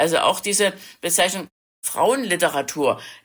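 A woman speaks at a medium pitch. She has a plain, everyday voice. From East Germany, Chemnitz (Saxony). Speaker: writer. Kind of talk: interview.

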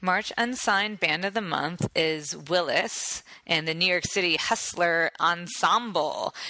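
A woman speaks in a normal speaking voice with an American accent, fairly low in pitch with ordinary variation. Her pace is fairly slow, with hardly any pauses. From North Carolina. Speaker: magazine editor, music writer. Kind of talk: casual chat. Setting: studio.

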